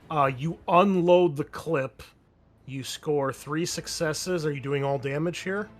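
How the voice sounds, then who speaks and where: A man running a tabletop horror game, narrating scenes in a halting, descriptive way as game master. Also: fairly high pitch, faint music behind.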